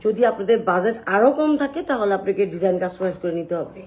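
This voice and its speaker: A woman hosting a live sales stream, showing jewelry and talking loudly and chattily to her viewers. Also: medium pitch, expressive, fast talker, a little hiss or hum, rough recording. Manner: loud, chatty, addresses viewers directly.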